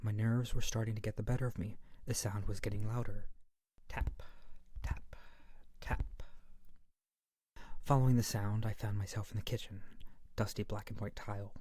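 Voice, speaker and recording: A man voicing a friendly, sheepish monster under the bed in a soft, breathy ASMR roleplay, gentle and playful, often near a whisper, very close to the mic. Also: fairly low pitch, fairly even intonation, normal speed, long pauses, no echo, lightly acted. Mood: hushed storytelling.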